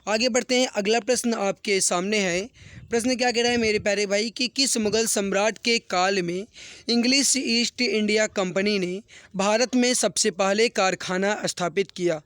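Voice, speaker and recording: Male exam tutor, sore throat. High, smooth voice, dry close sound. Earnest and encouraging, repeats every question. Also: steady tone, normal speed, fairly bright tone, no echo. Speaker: exam-prep teacher. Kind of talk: online exam practice class.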